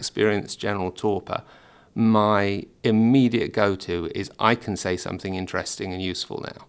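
On a very clean recording with a silent background, a man with an English accent speaks at a moderate pace, his fairly low pitch held in fairly even intonation. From England. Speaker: philosophy professor. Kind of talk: interview storytelling.

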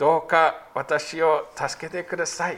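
This man has an English accent and a fairly high pitch. He speaks at a very slow pace. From Australia. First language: English (speaking Japanese). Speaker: missionary. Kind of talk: testimony.

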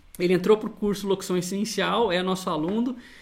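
Over noticeable background noise, a man talks in an animated tone at a moderate pace. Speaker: podcast co-host, voice-over teacher. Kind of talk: casual chat.

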